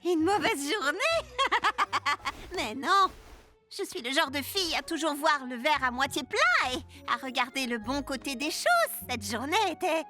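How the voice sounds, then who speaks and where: Cheery young cartoon heroine, bright tone, lively swoops, excitable, emphatic. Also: female voice, sits high, unhurried, faint music behind, full character voice. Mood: upbeat insistence. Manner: perky, emphatic, expressive. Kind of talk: animated children's cartoon dub.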